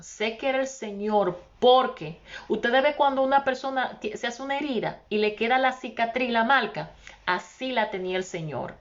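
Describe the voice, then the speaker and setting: A woman's voice: on the high side, dull audio. A woman preacher giving an impassioned testimony and addressing her listeners as brothers. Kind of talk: testimony sermon.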